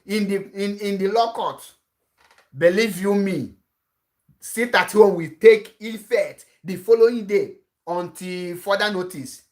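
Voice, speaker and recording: A man's voice: high-pitched, a bit bright. A man with a Nigerian accent whose first language is Igbo, giving an impassioned online address as an activist broadcaster, repeating his warnings and restarting his sentences often. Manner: insistent, repetitive warnings, frequent restarts.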